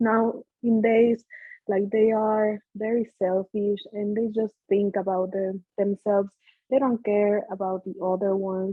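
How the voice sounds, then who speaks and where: A woman's medium-pitched voice, fairly slow, in a flat monotone. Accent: Spanish. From Ecuador. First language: Spanish. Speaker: audience member. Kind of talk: audience question.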